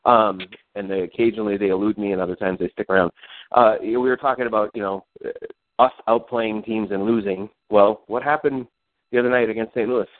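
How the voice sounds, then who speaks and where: A man's voice: lowish voice, steady tone, brisk, no echo. A man co-hosting a casual sports podcast, rambling and self-deprecating and laughing as he talks. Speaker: podcast co-host. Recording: tinny phone-like, dry sound.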